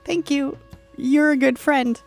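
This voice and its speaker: Creaky-voiced, high, eerily polite odd child. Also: female voice, steady tone, slow, faint music behind. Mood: innocent, earnest. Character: odd, meek, hollow child named Dirt, eerily polite. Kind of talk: improvised audio drama roleplay.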